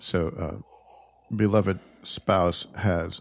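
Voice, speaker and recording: The recording is dry with no echo, and the man's voice is very deep and low. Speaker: podcast co-host. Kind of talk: casual podcast chat. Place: home room. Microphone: studio mic.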